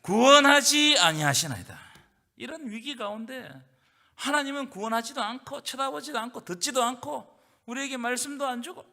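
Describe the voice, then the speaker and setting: A man's voice: very high-pitched, steady tone, fairly quick, creaky, sharp tone. A male pastor leading a Bible study, preaching with rhetorical questions and calling the congregation to read along. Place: church hall. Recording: reverberant church hall.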